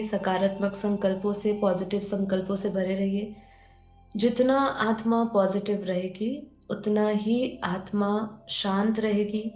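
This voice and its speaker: Slow, mellow woman guiding meditation. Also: medium pitch. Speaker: meditation guide. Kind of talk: guided meditation, spiritual teaching. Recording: roomy echo under background music. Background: music.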